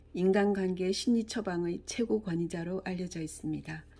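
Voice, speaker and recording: A woman speaks at medium pitch and a moderate pace. Her tone is dark and mellow, her intonation fairly even. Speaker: audiobook narrator. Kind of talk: book review introduction.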